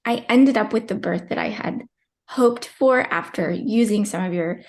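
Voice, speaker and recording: A woman's voice: medium pitch, normal speed, darkish tone. A young woman in her twenties, a podcast guest telling a personal birth story in a chatty, emotional way with many fillers. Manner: tearful at times, chatty with many likes.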